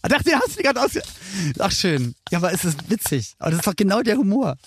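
A middle-aged man chatting as a podcast guest, jokey and animated, laughing at his own jokes. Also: sits high, fast talker, slight background noise. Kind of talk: casual chat.

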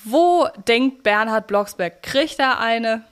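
A woman's voice: a little high, lively intonation, slow pace, smooth. Reflective woman co-hosting a podcast. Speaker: podcast co-host. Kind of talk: casual analytical podcast talk about an audio drama series.

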